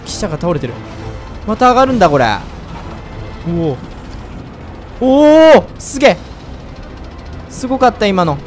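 A man giving let's play commentary, chatty and excitable, talking straight to his viewers and breaking into loud whoops. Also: sits high, unhurried, long pauses, soft background music. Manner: chatty, speaks to viewers directly. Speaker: game commentator.

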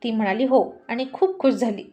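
A woman telling a family story aloud in a steady, expressive reading voice. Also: fairly high pitch, normal speed. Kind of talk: story narration.

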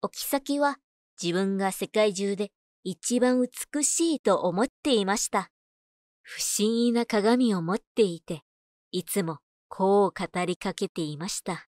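A woman's voice: mid-range voice, takes it slowly, darkish tone, no echo, clean studio sound. A woman reading scripted audiobook narration as a voice-over narrator.

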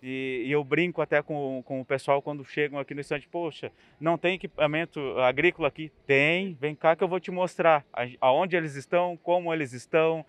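A man's voice: on the high side, dry recording. A young adult man speaking chattily in an interview outdoors at a fair stand, into a handheld mic. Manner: chatty, animated, quick asides. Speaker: machinery dealer representative. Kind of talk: casual interview answer.

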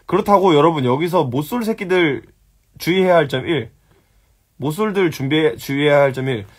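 A young man hosting a casual live stream, answering viewer questions bluntly, teasing and swearing at them. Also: a little high. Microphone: phone.

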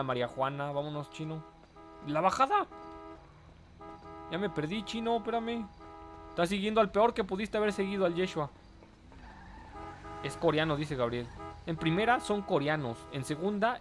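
A young man with a Mexican accent commentating a live game stream, joking in slang and greeting viewers from the chat. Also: on the high side. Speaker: gaming streamer.

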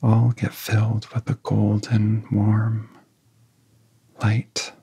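Very breathy, hushed man, slow and low. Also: completely flat delivery, dry recording. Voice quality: soft, breathy, often whispery. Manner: gentle, soothing, long pauses between phrases. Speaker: ASMR hypnosis guide. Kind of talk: soft-spoken ASMR guided relaxation.

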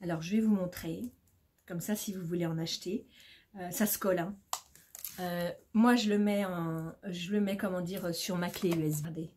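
A woman's voice: lowish voice, steady tone, moderate pace, a little mellow. Chatty middle-aged Frenchwoman, noisy home recording. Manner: chatty, informal, addresses viewers directly. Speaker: shopping haul vlogger. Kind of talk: casual chatty product haul to camera. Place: small room at home, indoors.

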